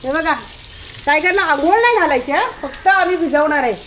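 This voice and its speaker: A woman's voice: high-pitched, animated, brisk, fairly bright tone, slight background noise. A woman chatting casually in a home vlog, coaxing her dog and calling to people nearby. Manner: coaxing, calls out to pets and kids. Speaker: vlogger.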